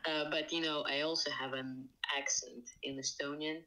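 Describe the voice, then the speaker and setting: A woman's voice: deep voice, steady tone, normal speed, pushed and bright, rough recording. A woman with a Russian accent, speaking English as a third language as a podcast guest, hesitant and full of fillers. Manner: hesitant, many fillers and restarts. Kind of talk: casual interview talk. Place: Estonia.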